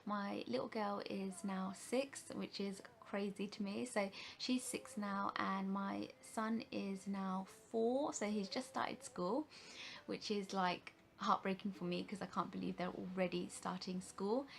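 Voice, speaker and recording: A woman's voice: mid-range voice, fairly even intonation, measured pace, vocal fry. A woman in her thirties from the UK, a makeup vlogger chatting to camera in a rambling way with many fillers and restarts. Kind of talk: casual rambling talk to camera.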